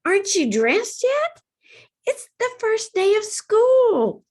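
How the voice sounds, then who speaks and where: A woman's voice: very high voice, sing-song, slow, a little mellow, voice pushed up, exaggerated voice. A woman voicing a tiny, chatty dragonfly girl in a storybook, an urging and wide-eyed best friend.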